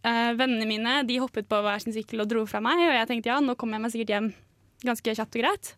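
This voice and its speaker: A woman's voice: a little high, fairly even intonation, a bit bright, no room sound, clean studio sound. Laughing young woman telling a story. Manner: laughs through anecdote, many fillers. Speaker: radio show co-host. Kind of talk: casual storytelling chat. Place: radio studio.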